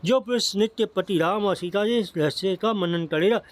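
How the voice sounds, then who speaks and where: A man with a notably high voice reads a devotional scripture passage aloud. His delivery is a steady recitation that now and then trips and doubles back over a word. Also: normal speed. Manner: steady recitation with frequent slips and restarts. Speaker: scripture reader.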